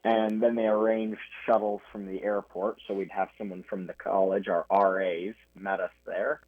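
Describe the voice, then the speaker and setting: A man's voice: on the low side, little pitch movement, normal speed, no echo. Young man on a tinny phone line. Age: young adult. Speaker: guest. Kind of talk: radio interview answers.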